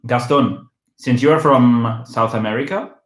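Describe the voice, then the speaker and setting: A man's voice: mid-range voice, a little slow, roomy sound. A man from Catalonia in Spain, a native Catalan and Spanish speaker, co-hosting a casual travel livestream in a chatty, teasing way.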